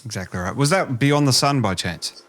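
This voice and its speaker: Mid-pitched man hosting an interview. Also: lively intonation, moderate pace, fairly bright tone. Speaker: podcast host, interviewer. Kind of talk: casual interview chat.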